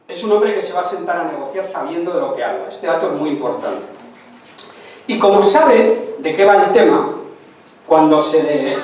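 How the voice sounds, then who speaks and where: A man giving a lively, theatrical history lecture, recorded in a lecture hall. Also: a little high, a little hiss or hum. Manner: theatrical storytelling. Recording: echoey hall from far off.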